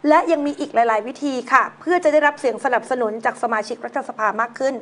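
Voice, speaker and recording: A woman hosting a news talk show, reading items and chatting about them in a relaxed, conversational way. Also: high voice, quick pace.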